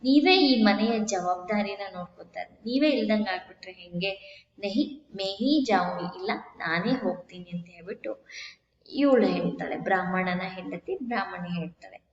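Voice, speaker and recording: A woman's voice: on the low side, fairly quick, a little hiss or hum. A woman, teaching a story lesson. She reads each line and then explains it again. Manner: reads Hindi lines, then retells them in Kannada. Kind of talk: explaining a Hindi textbook story in Kannada. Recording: echoey room, dull sound.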